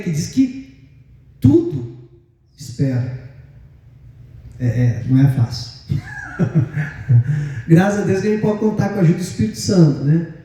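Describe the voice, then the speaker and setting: A man with a Brazilian Portuguese accent preaching a sermon as pastor, telling stories and acting out the voices of the people in them. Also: high voice. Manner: lively storytelling, acts out quoted voices. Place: church hall. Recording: echoey church hall, distant mic.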